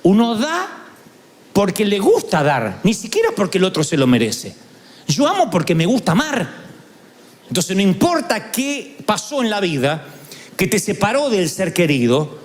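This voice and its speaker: A male pastor delivers a sermon as animated, humorous storytelling. His voice sits high for a man and swings widely in pitch.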